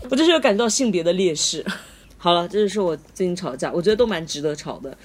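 A woman's voice: lowish voice, animated, brisk. A woman co-hosting a podcast, telling a story in casual chat and laughing often. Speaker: podcast co-host.

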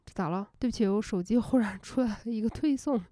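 A woman hosting an unscripted casual rant, telling stories in an animated way, laughing often and dropping English words into her talk. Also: fairly high pitch, fast, dry recording, studio quality. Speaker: host.

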